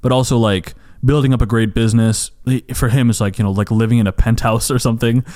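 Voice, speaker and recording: A man's voice: mid-range voice, fairly even intonation, fast, a little mellow. A young man from the United States hosting a podcast, talking casually and rambling with lots of "like" and restarts. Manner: rambling, heavy use of "like", frequent restarts. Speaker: podcast host. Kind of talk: casual conversation.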